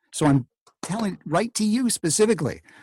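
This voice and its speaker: A somewhat breathy man speaks in a dry, close sound with no echo. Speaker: voice actor. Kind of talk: casual interview chat.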